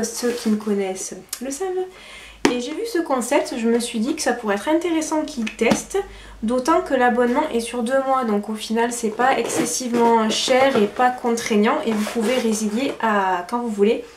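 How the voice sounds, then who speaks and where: A woman's voice: on the high side, normal speed. Chatty woman in a roomy echo. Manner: chatty, hesitant with fillers and self-corrections. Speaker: lifestyle vlogger. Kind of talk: casual product review. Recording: roomy echo, faint background noise.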